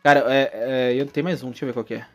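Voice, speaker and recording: A man's voice: medium pitch, fairly even intonation, quick pace, soft background music. A young Brazilian man with a Brazilian Portuguese accent, joking through playthrough commentary and talking to the game characters. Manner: jokey, exclamatory, talks to the game characters. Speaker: gaming YouTuber.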